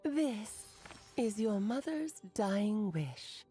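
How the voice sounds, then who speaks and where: Confident game sorceress; eloquent, dramatic, expressive. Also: female voice, mid-range voice, drawn-out words, faint music behind. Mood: gracious. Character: grand, theatrical woman mage, warm and self-assured. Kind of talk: video game voice acting.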